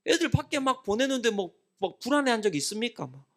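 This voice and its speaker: Middle-aged male pastor, animated delivery, quizzes the congregation and answers himself. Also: very high voice, quick pace. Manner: asks the congregation questions and answers them; acts out scolding parents and children. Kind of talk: midweek prayer meeting sermon.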